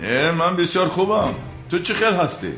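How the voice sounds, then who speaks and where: A man's voice: high-pitched, big pitch swings. An actor dubbing an exhausted, scheming man who coaxes his sweetheart in a TV drama. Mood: fretful. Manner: wheedling and fretful. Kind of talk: dubbed TV drama. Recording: dull roomy dub with music.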